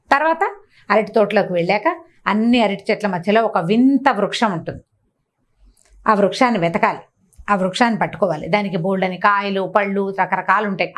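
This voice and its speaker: A woman's voice: mid-range voice, close to an everyday voice. A woman storyteller voicing an old demon ogress mother, explaining in a boastful, matter-of-fact way.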